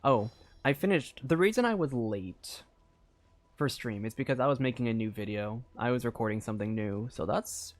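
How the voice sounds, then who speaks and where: A game streamer chats casually during a live stream, rambling and thinking aloud in a distracted way. He speaks at normal speed with a medium-pitched voice, and video game music plays in the background.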